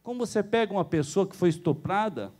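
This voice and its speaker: A Brazilian pastor preaching in church with a fairly high voice that swoops widely as he tells his stories. He chuckles through the anecdotes and leaps higher still when excited, with a Brazilian Portuguese accent throughout. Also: fast talker. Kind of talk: sermon.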